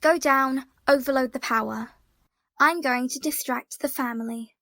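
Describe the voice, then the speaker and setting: A woman plays a young heist partner in an audio drama, anxious yet bossy. Her voice is high and forward, recorded dry, with an urgent, easily flustered delivery. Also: moderate pace, bright, forceful tone, no echo. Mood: urgent, commanding.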